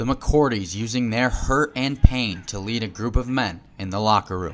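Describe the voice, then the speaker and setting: A man speaks in an ordinary speaking voice at a medium pitch and moderate pace, with ordinary pitch variation. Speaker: sports reporter. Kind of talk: TV sports news reporting.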